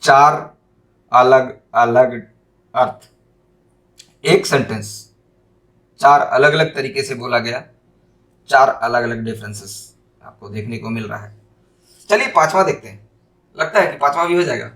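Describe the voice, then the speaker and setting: A man giving a spoken lesson on communication, stressing single words and drawing out example sentences slowly. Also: mid-range voice, a bit bright. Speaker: teacher.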